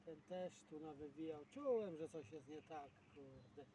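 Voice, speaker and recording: A man's voice: on the high side, lively intonation, measured pace, mellow. A man giving casual, muttered commentary while fishing outdoors from a boat, talking partly to himself. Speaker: fishing show host. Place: outdoors, on a boat on open water. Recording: windy, noisy outdoor recording, distant mic.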